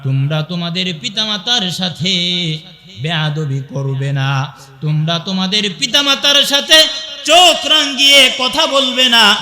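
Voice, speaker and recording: A man with a Bangladeshi Bengali accent preaching a waz sermon, chanting Arabic verses in a slow singsong and calling out questions to the crowd. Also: sits high, animated, pushed and bright, soft background music. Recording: echoey hall with long reverb.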